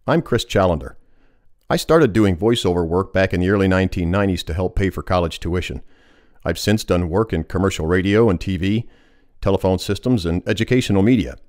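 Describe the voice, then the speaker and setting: Middle-aged male voice-over artist, deep register, polished scripted read. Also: a little mellow.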